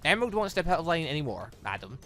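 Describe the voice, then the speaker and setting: A man reading the visual novel lines of a cold, scheming villainess in a measured, calculating manner. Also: on the high side, very animated, pushed and bright, soft background music. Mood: cool, firm. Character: cold, scheming villainess plotting a city's downfall. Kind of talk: reading visual novel game dialogue in character.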